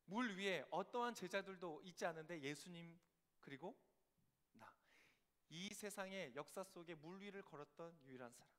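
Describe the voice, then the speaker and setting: A man preaching a sermon as pastor. He poses many rhetorical questions and swings suddenly between soft, low passages and loud ones. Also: in a large hall.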